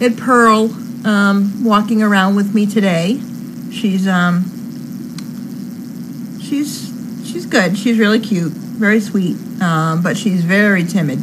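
The speech runs at a very slow pace with long, frequent pauses and ordinary pitch variation, over noticeable background noise. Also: woman. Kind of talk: informal talk to a group. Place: office. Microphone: camera far.

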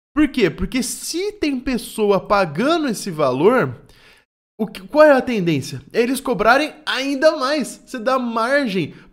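A man's extremely high voice in a Brazilian accent, with lively intonation at a fairly slow pace over a quiet background. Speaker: gaming YouTuber. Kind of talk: angry rant about game prices, emphatic video monologue. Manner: indignant, emphatic, pleading, repeating 'mano' and 'cara'. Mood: annoyed, critical of prices. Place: home room.

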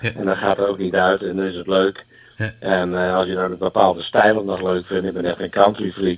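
A man's very deep, low voice in a monotone, flat delivery, with noticeable background noise. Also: moderate pace. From Groningen, Netherlands.

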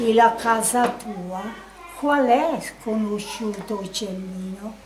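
A woman speaks at a very slow pace in a fairly high pitch with ordinary pitch variation. Light background noise is present. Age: 80s+. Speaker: reciting a poem. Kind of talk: poetry reading.

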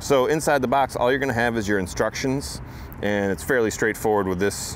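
A man speaks at a moderate pace in a fairly low voice with ordinary pitch variation. The sound is dry with no echo, and light background noise is present. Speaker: product reviewer. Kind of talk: casual product review. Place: open country. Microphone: phone near.

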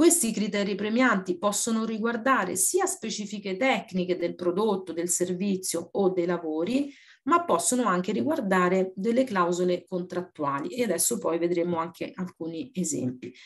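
An ordinary speaking voice from a woman, medium in pitch, at a moderate pace with lively intonation. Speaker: sustainability project manager, trainer. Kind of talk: webinar lecture. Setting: video call.

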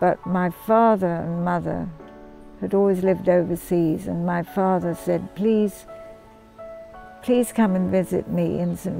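Faint music plays in the background as a woman talks in a fairly low voice. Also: dry sound with no echo. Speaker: interviewee. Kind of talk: interview answer. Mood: warm, amused. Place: garden. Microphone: lapel.

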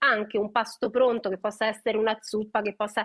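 A woman speaks in a fairly high pitch with a bright, sharp tone. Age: 30s. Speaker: nutritionist. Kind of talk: casual chat.

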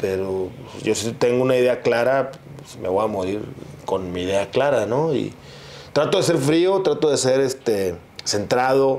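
A man talks at a fairly slow pace with lively intonation and long, frequent pauses. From Mexico, Torreón. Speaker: football commentator. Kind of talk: interview conversation. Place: studio. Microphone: lapel.

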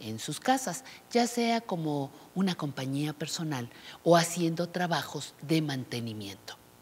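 Her voice very deep and low, a woman speaks at a fairly slow pace with very wide pitch swings. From Mexico. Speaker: journalist. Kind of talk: informative talk to camera. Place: studio.

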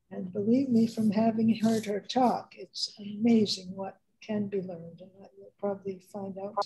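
A woman's dark, mellow, somewhat breathy voice, monotone and flat, with hardly any pauses. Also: moderate pace. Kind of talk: introduction of a guest speaker. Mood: warm, friendly. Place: home room. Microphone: video call.

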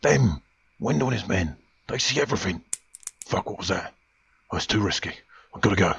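A man with a very deep, low voice talks at a fairly quick pace, using lively intonation and big swings in loudness, with long, frequent pauses. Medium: audio drama. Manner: rude, then nervous and secretive.

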